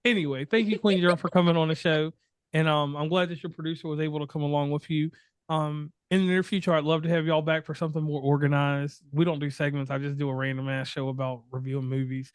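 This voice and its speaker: A man with a fairly high voice hosts a casual podcast, firing off quick, animated comebacks. His voice is recorded close and dry, with no room sound around it. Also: smooth, dry recording. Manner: rapid, animated back-and-forth. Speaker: podcast host.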